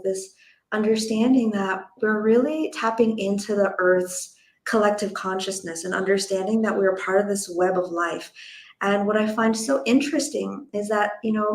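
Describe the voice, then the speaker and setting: In a roomy, echoing recording, a woman with a medium-pitched voice hosts a spiritual conversation. She talks casually and gushingly, leaning on "like" and "you know" as she goes. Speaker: interview host.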